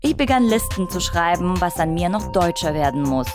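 A woman in her late twenties, from Russia, reading her own first-person essay as calm, measured, wry radio narration. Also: on the low side, music in the background. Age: late 20s.

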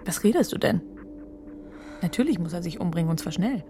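A woman's voice: fairly low pitch, expressive, brisk, background noise. An actress playing a panicky young woman who whispers urgently and harshly in a radio play. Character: panicky young woman, friend covering up a death.

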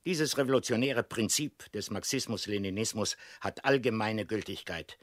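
An actor voicing an insistent revolutionary leader, proclaiming doctrine emphatically as a quotation in a radio feature. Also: male voice, lowish voice, normal speed, no echo, studio quality, close to an everyday voice. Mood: insistent, doctrinaire.

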